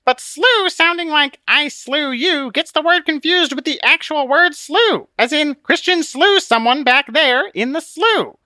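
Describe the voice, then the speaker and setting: Man putting on pedantic excitable male conscience, high squeezed-up pitch, swooping delivery, fussy storybook character. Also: measured pace, hardly any pauses, no room sound, full character voice. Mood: pedantic arguing.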